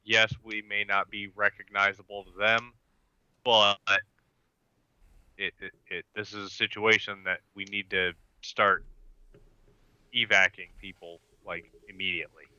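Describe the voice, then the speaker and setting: A man playing a polite, earnest team member who speaks deliberately and courteously, pausing as he presses for action. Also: fairly low pitch, level tone, sharp tone, smooth, no room sound, muffled recording. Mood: earnest, urgent.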